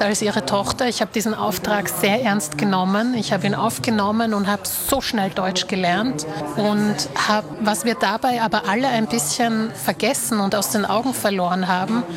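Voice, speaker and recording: Thoughtful Slovak-born woman author. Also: medium pitch. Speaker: author, interview guest. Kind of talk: radio interview answers.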